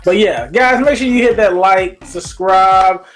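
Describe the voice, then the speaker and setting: A man with a high voice talks as co-host of a casual review show. His delivery is informal and halting, with sentences restarted mid-thought, and faint music plays behind him. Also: fairly bright tone. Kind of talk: casual movie review chat.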